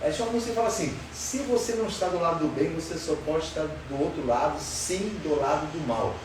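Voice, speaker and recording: A man leads a Bible study and keeps putting questions to the class in a high, lively voice. He sounds far from the mic, in a very echoey room with faint background noise. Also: fast. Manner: asks the class questions, animated and emphatic. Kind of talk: Sunday school Bible lesson.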